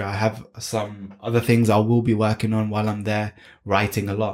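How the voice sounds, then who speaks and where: The speech moves at a moderate pace in a British accent. The recording is very clean, with a silent background. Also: man. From UK. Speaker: podcast host. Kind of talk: solo monologue podcast. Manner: conversational, informal.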